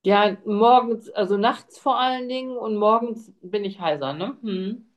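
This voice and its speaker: A woman's voice: medium pitch, a little slow, lo-fi sound, natural voice. A woman playing a middle-aged male patient in a medical role-play, talking hesitantly and tagging her sentences with little questions. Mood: worried. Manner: hesitant, chatty, tags sentences with "ne". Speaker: simulated patient.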